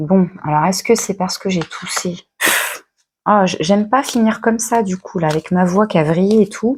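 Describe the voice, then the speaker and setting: Somewhat breathy, a woman speaks at a medium pitch and a fairly slow pace with ordinary pitch variation. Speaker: tarot card reader. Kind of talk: tarot reading monologue. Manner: hesitant, many fillers.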